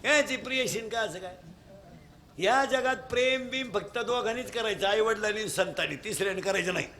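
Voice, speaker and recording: A man's voice: sits high, normal speed. A man preaching a humorous devotional kirtan sermon, mocking and mimicking people as he talks. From Maharashtra. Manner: lively, mocking, mimics people in their own voices.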